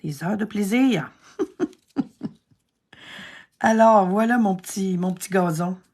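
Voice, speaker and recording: A woman's voice: medium pitch, slow, a little mellow. A Québécois woman chatting and thinking aloud through a card-making tutorial, self-deprecating and chatty. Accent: Québécois French. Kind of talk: casual craft tutorial narration.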